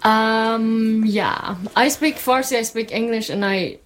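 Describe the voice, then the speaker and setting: A woman's voice: on the high side, slow. A woman guest in a casual group chat. She talks thoughtfully and reflectively, using many filler likes.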